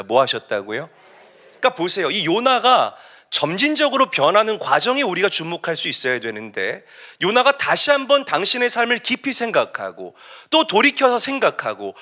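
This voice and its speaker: A man's voice: sits high, bright, forceful tone. A man preaching a sermon, telling a story emphatically and asking the congregation rhetorical questions. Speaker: pastor.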